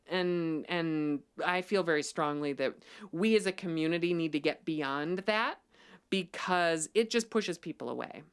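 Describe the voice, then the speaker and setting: A woman hosts a relaxed livestream and talks in a chatty way with lots of ums. Her voice sits fairly low and sounds smooth and clear, and she turns firm and emphatic when she pushes a point. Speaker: livestream host. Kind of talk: casual livestream chat.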